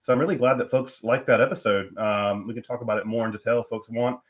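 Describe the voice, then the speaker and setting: A man's voice: mid-range voice, fairly even intonation, fast talker, highs cut off. A man hosting his own live stream, talking casually with lots of fillers and restarts while stuffed up with a cold. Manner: rambling, many fillers and restarts. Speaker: channel host.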